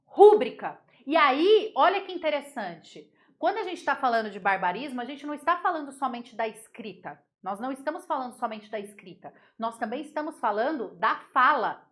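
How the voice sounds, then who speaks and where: Her voice is high and expressive as she runs a Portuguese grammar lesson. She laughs playfully at the usual mispronunciations and drills words by saying them slowly, again and again.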